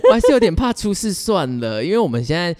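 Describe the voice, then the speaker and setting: A man's voice: high-pitched, sing-song, fast, a crowd in the background. A man with a Taiwanese Mandarin accent chatting casually as a podcast co-host and telling personal stories in a giggly, rambling way. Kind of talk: casual chat, personal storytelling. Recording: reverberant, hall-like sound.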